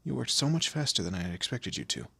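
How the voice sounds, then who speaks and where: Man acting as demon lord, audio roleplay, forceful edge, gravelly fry, commanding, theatrical, teasing menace, very dry close sound. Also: animated, quick pace, no echo, full character voice. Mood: measured praise. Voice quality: low, gravelly, husky. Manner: imperious, theatrical, drawling threats and teasing. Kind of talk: scripted audio roleplay addressed to the listener.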